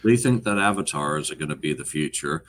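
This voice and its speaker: A man with an extremely deep voice co-hosts a live podcast and reads out viewer comments. His speech is measured, and there is a faint hum of noise behind him. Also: lively intonation, fairly bright tone. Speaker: podcast co-host reading comments. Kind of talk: casual live podcast chat.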